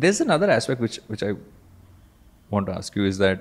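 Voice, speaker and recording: On a very clean recording with a silent background, a man with a South Indian accent talks at a fairly quick pace with a fairly low pitch. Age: 40s. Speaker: podcast host. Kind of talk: casual interview conversation.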